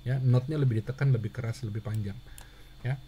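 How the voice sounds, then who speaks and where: Husky-voiced man teaching handwriting. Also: mid-range voice, fairly even intonation, fast, mellow. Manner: patient, asks and answers his own questions. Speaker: Russian language teacher. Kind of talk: handwriting lesson.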